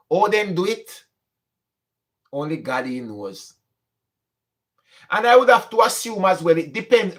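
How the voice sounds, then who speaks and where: A man's voice: on the high side, fairly bright tone. A young man from Jamaica with a strong Jamaican accent, chatting casually to his channel and slipping between standard English and patois. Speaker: channel host. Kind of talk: casual vlog monologue.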